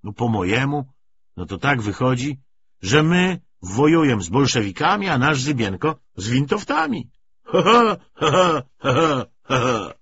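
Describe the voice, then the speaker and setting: A man's voice: mid-range voice, sing-song, moderate pace, fairly bright tone, slightly rough, dull audio, voice pushed up, heavily acted. A man voicing a young red-bearded Cossack soldier who mockingly banters and laughs in an audiobook. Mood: mocking glee.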